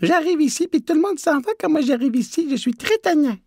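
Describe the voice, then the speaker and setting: A man's voice: very high-pitched, animated, a little fast, darkish tone, dry recording, studio quality, pitched above the performer's own voice. A man voicing a whiny, irksome little cartoon pest.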